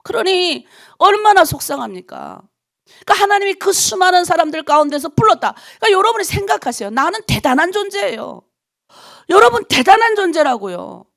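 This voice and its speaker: A woman pastor, middle-aged, preaches at a dawn prayer service. Her voice sits high, with a gravelly, fried edge, and she pushes her congregation with heated rhetorical questions. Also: fairly bright tone. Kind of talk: early-morning prayer sermon.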